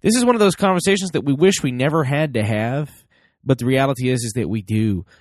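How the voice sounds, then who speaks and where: A man with a mildly blocked nose from a cold runs his solo parenting podcast, speaking informally and leaning on lots of fillers. He talks quickly at a medium pitch, and the studio-quality audio has no echo.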